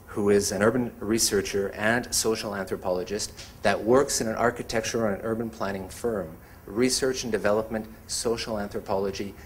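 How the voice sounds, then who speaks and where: A man hosting an evening talk, introducing the speakers in a measured way. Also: lowish voice, a little hiss or hum. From Montreal. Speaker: event host introducing speakers. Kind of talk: event introduction.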